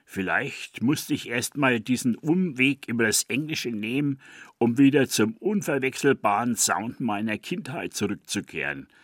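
A man, a dialect poet reading a personal radio essay in a measured, deliberate way. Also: mid-range voice, animated, no room sound, clean studio sound. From Franconia, Germany. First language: East Franconian dialect.

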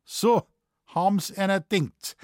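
Man doing a rude old bavarian country doctor, husky, blunt dialect, loves a jab. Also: mid-range voice, very animated, measured pace, darkish tone, no room sound, clean studio sound. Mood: mocking. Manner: blunt, teasing, rough dialect. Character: gruff, sharp-tongued old Bavarian village doctor.

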